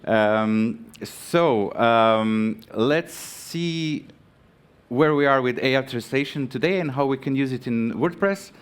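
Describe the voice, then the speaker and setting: A man from Croatia in his thirties giving a live conference talk, halting with many fillers and restarts, friendly and chatty with the audience. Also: mid-range voice, clean tone. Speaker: conference speaker. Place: conference stage.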